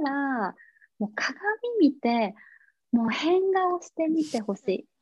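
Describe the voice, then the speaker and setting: A woman's high-pitched voice with very wide pitch swings, at a fairly slow pace. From Okinawa, Japan. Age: 30s. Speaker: yoga instructor. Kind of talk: podcast interview.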